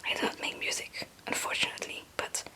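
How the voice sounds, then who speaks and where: A woman's voice: fast talker, pushed and bright, poor audio. A young woman who is a non-native English speaker whispers in a casual, rambling ASMR chat, often hesitant and self-deprecating. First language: not English. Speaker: ASMR video creator.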